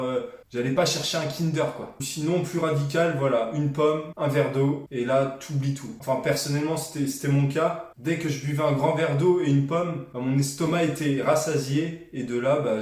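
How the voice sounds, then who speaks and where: Young man, lightly high-pitched, informal vlogger chat, slangy, strongly reverberant room. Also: darkish tone. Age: young adult. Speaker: fitness vlogger. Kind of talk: casual chatty Q&A vlog. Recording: very echoey room.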